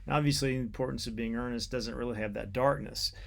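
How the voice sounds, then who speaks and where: A man lectures on literature in a mid-pitched voice with noticeable creak. His delivery is unscripted and deliberate, halting to search for phrasing and repeating words as he explains. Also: fairly even intonation, a bit bright.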